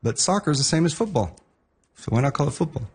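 A man from Argentina with an American accent speaks relaxedly in an interview, pausing with fillers. His voice is husky. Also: on the high side, lively intonation. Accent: American English. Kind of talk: casual interview.

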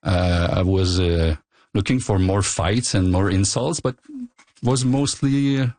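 A man's voice: low voice, measured pace, darkish tone, no echo. A man with a Quebec French accent, a comedian guest speaking hesitantly in a radio interview. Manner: hesitant, laughs often.

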